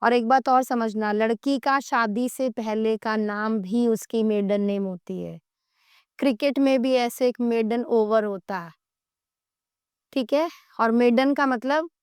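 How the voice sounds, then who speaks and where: A woman with an Indian accent runs a classroom vocabulary lesson, explaining in Hindi and reading each English definition out slowly before quizzing her students. Her voice is smooth and fairly high, and it sounds dry and close to the mic. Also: no room sound. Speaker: English teacher.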